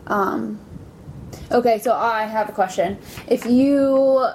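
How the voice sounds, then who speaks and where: A woman's voice: slow pace, darkish tone, poor audio. An American woman interviewing someone casually, with informal, loosely phrased questions. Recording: low rumbling background noise.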